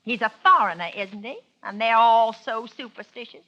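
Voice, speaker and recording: An actress playing a bitter, suspicious small-town wife in 1940s radio acting, sarcastic and resentful. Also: female voice, on the high side, normal speed, muffled recording, natural voice. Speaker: narrator and lead character.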